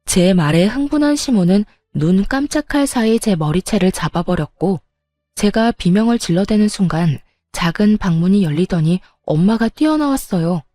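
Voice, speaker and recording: Woman, first-person story narration, mellow dark voice, steady telling. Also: medium pitch, moderate pace, no echo.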